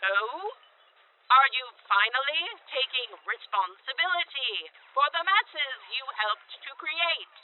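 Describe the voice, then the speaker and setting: A boastful robot servant, speaking in florid, formal phrases. The voice is high and very animated, heard through a dulled recording with some hiss. It carries itself with great pomp and loyalty. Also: takes it slowly, narrow, tinny audio. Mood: pointed. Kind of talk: full-cast audio drama acting.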